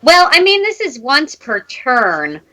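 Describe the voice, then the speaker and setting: A woman plays a tabletop roleplaying game with a bright, forward voice. Her pitch moves around a lot and her pace is slow and halting. She is theatrical, often repeating words as she improvises. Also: huge pitch swings, poor audio. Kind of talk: improvised in-character play and casual game talk.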